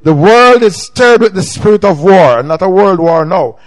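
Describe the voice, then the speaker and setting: A middle-aged man with a Jamaican accent, preaching a sermon with emphatic swings in pitch and loudness. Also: lively intonation, normal speed, faint music behind. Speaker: pastor.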